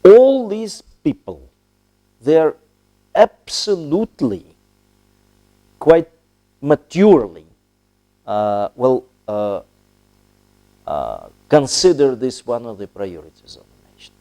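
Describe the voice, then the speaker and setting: A man from Russia with a Russian accent, giving a formal interview in halting, deliberate, diplomatic phrases with long hesitations. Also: medium pitch, very animated, dark tone. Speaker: ambassador, interview guest.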